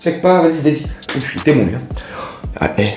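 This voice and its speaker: A man's voice: on the high side, very animated, fairly quick, darkish tone, roomy sound, soft background music. A man chatting casually about football transfers, rambling and joking in slang and speaking straight to his viewers. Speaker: football vlogger. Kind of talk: casual mercato chat to camera.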